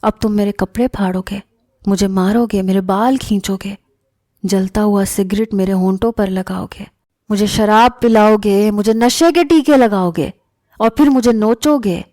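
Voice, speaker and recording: A woman voicing a frightened, violent young woman in a storybook reading, with a shrill, pleading manner. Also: dark tone, no room sound, studio quality, lightly acted. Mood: frantic.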